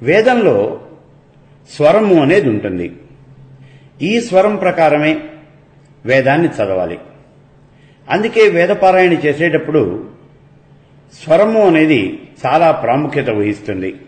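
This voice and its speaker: A man giving a slow, measured lecture on chanting, drawing out sample syllables to show how they are voiced. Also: on the high side, big pitch swings, a little mellow, echoey room. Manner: measured, deliberate, stretches example syllables.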